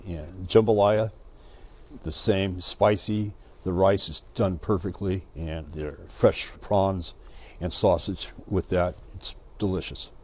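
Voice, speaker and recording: A man with a very low voice reviews restaurants on a panel, enthusiastic and often restarting mid-sentence. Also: fairly even intonation, slow pace, a little mellow. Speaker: show panelist.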